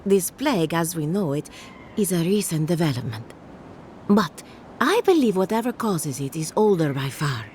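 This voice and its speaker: An actress playing a solemn, caring woman scholar who tends a farm, speaking in a measured, gently formal way. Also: fairly low pitch, sing-song, slight background noise. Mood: earnest, grave. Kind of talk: video game character dialogue.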